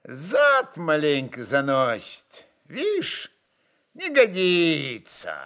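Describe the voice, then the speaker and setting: A man's voice: a little high, wildly swooping pitch, pushed and bright, full character voice. A man voicing a fussy, grumbling old Cossack horse expert with picky, folksy talk in a dramatized reading. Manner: slow, picky, folksy exclamations.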